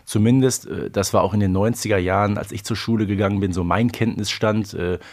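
A man's voice: fairly low pitch, steady tone, brisk, darkish tone. A man in his forties co-hosts a casual podcast. He explains background and guides the conversation along, with the odd "äh" in between. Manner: explanatory, leading the discussion. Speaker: podcast co-host.

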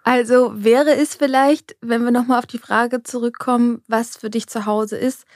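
A woman's voice: fairly high pitch, fairly even intonation, normal speed, a little mellow, no room sound, clean studio sound. A woman hosting an interview, asking open questions and listening with short affirming sounds.

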